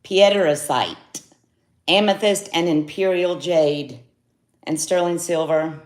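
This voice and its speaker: A woman's voice: lowish voice, slow pace. A woman chatting casually on a jewelry livestream, greeting viewers by name. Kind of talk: casual live sales chat. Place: home studio, indoors.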